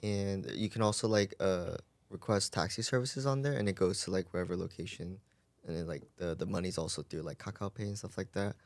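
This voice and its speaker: A man with a slightly low voice chats calmly on a podcast, full of likes and ums. The recording is dry and close. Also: fairly quick, no echo. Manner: relaxed, many likes and ums. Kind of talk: casual podcast chat.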